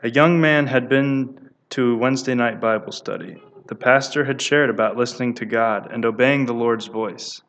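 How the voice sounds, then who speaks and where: A man reads devotional stories aloud in a steady, earnest way. His voice sits in the middle range for a man, and he now and then stumbles and restarts a word. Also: medium pitch, moderate pace, hardly any pauses. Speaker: speaker giving a devotional talk.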